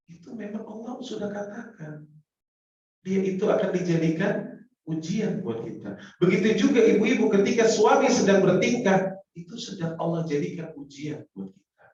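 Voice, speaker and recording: A man's voice: high voice, normal speed. A man preaches a sermon to a congregation, calling out to the men and women in it and acting out short exchanges between spouses. His voice rings through a very echoey hall and is picked up from some distance, so it sounds muffled and roomy. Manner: lively, addresses the congregation directly, acts out little dialogues. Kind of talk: Islamic sermon on marriage.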